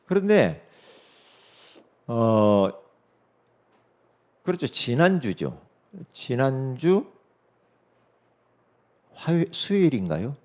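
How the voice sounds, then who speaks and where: A middle-aged man preaching a sermon, swinging from loud emphatic peaks to hushed asides and acting out dialogue in his stories. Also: on the low side. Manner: acts out quoted dialogue in his story. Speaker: pastor. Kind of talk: sermon with storytelling.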